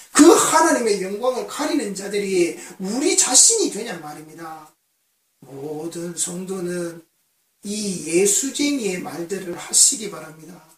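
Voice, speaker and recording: A pastor giving an impassioned sermon in a church, building phrases through repetition toward emphatic peaks. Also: mid-range voice. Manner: fervent, repetitive preaching cadence with rising emphatic peaks. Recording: roomy, distant from the mic.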